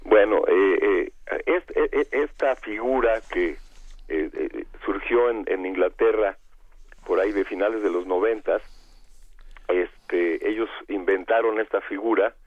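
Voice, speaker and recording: A man with a Mexican accent and a hoarse, cavernous voice from bronchitis, speaking haltingly as a guest in a radio interview over a phone line. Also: fairly low pitch. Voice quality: cavernous, congested voice. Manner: halting, hesitant, searching for words.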